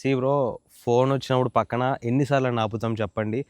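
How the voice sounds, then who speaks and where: A man's voice: medium pitch, steady tone, fast talker, a little mellow, smooth, dry recording, studio quality. A man with a Telugu Indian accent giving a casual, explanatory product tutorial, mixing English words into his informal speech. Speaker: motovlogger reviewing and demonstrating gear.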